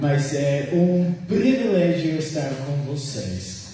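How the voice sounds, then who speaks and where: Noticeable background noise and audible room echo both accompany this man's voice. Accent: American. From United States. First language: English (speaking Portuguese). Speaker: pastor. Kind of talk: sermon. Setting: church. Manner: halting.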